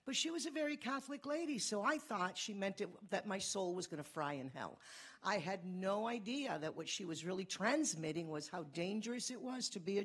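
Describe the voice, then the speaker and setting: A woman from Cuba giving a fast, earnest conference talk, telling a personal story. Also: mid-range voice, slightly rough. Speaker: conference speaker.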